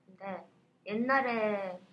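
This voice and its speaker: A woman's voice: mid-range voice, takes it slowly, muffled recording, a little hiss or hum. A woman co-hosting a casual podcast chat, bashful and giggly, mostly reacting with short agreements. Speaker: podcast co-host.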